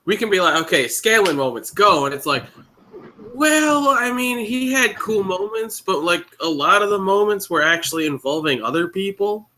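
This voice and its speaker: Man, co-host, bright voice, lively recap with quick voice impressions. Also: high-pitched, a little hiss or hum. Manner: animated storytelling with quick voice impressions. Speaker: podcast co-host. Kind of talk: casual chat recapping a tabletop show. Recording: live show recording.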